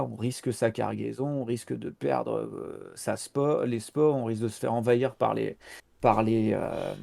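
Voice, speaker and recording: A man narrates a tabletop game as its game master. His voice is gravelly and dark in tone. He explains haltingly, full of fillers and restarts. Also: medium pitch. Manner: hesitant, many fillers and restarts while explaining.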